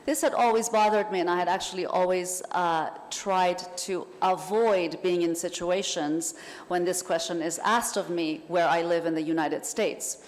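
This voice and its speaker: A woman whose first language is Persian, a writer speaking as a panel guest in a thoughtful, measured way. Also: on the low side, fairly even intonation. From Iran. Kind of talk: festival panel talk. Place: hall at a literature festival. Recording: hall reverb, faint noise.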